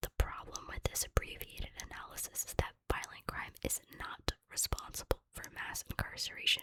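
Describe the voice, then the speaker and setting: Someone whispers at a moderate pace. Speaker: ASMR reader. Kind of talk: book reading, ASMR. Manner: whispered, relaxing.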